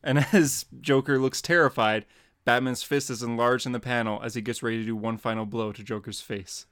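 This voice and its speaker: Man narrating comic panels, mid-pitched. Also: steady tone, a little fast, a bit bright. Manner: plain descriptive narration with sound effects. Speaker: podcast co-host.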